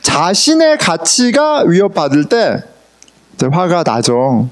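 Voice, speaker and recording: Lively high-voiced pastor preaching. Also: male voice, slow pace. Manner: conversational, asks the congregation questions, mixes in English words. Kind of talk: sermon. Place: church sanctuary.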